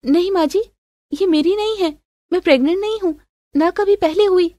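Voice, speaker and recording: A woman's voice: extremely high pitch, moderate pace, warm tone, no echo, voice pushed up. A woman voicing a meek, wronged young daughter-in-law who pleads, in a melodramatic family story. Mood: tearful pleading. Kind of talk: melodramatic audio story acting.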